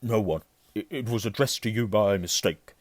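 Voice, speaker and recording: A man's voice: lowish voice, slow pace, no echo. A man voicing a blustering, bullying middle-aged uncle who barks, sneers and stammers when rattled, in a storybook reading. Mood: strained, curt.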